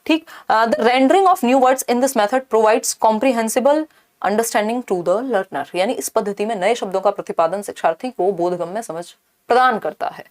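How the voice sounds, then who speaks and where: A woman's voice: a little high, a little slow. Woman teaching an exam-prep lesson. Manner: explains step by step, mixing in English terms; asks rhetorical questions and checks in with "thik hai".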